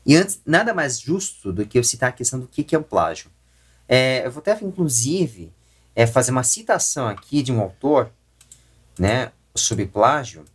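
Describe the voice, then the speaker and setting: A man with a Brazilian accent gives opinion commentary as a YouTube host, explaining in a halting way and often correcting himself. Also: medium pitch, big pitch swings, husky.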